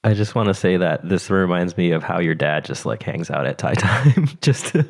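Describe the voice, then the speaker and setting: Very low-voiced woman co-host. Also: lively intonation, moderate pace, gravelly, darkish tone. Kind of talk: casual chat.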